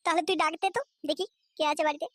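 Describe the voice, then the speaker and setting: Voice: very high-pitched, fairly even intonation, rapid-fire, a bit bright, dry recording, studio quality. A performer voicing a young boy, an eager but uneasy prankster's sidekick in a Bengali comedy cartoon.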